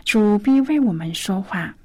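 Slow, gentle woman on Christian radio. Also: medium pitch, animated. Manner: slow, gentle, with breathy whispered phrases. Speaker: radio program host. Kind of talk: Christian radio devotional reading.

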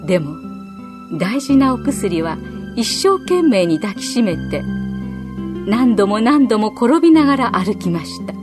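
A woman narrating a children's story in a gentle, measured storytelling manner. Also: mid-range voice, big pitch swings. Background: faint music.

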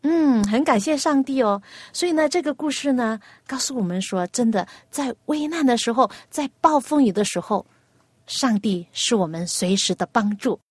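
A woman hosting a children's radio program, asking a young guest patient, coaxing questions and telling a gentle story. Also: a little high, animated, moderate pace, breathy edge, no room sound.

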